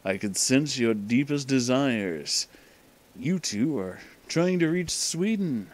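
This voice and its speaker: A man voicing a calm, knowing hippie illusionist in a comic story, in a measured manner. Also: medium pitch. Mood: mysterious, knowing.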